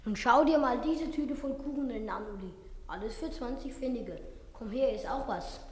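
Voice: medium pitch, moderate pace, slight background noise, natural voice. A performer in a German children's radio play voicing a hearty, cheeky, confident schoolboy. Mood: cheerful, confident. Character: hearty, always hungry schoolboy, would-be boxer.

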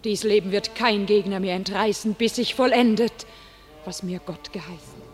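An actress playing a young, divinely inspired warrior maiden in a classic radio drama, speaking solemn, impassioned verse in a commanding way. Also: female voice, mid-range voice, moderate pace, soft background music, natural voice. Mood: proud, defiant. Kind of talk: classic German radio play, declaimed stage verse.

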